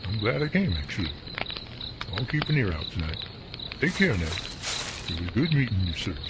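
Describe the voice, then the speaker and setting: A man's voice: fairly low pitch, big pitch swings, normal speed. A man playing a friendly, polite visitor at a night campsite. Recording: loud cricket night noise.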